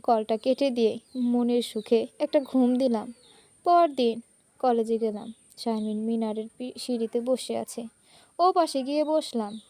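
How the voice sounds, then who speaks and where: A woman narrating a romantic short story in a lively, conversational reading style. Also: a little high, a little slow, no echo.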